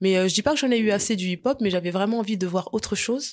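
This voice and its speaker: On a very clean recording against a silent background, the woman's voice shows ordinary pitch variation. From France, Metz (born in Gabon). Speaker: dancer and dance teacher. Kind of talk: casual interview.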